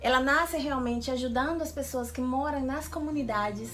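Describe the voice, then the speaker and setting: Higher-voiced Peruvian-born woman explaining her project. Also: moderate pace, fairly bright tone, faint music behind. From Lima, Peru. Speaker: interview guest, project founder. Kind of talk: enthusiastic explanatory interview answers.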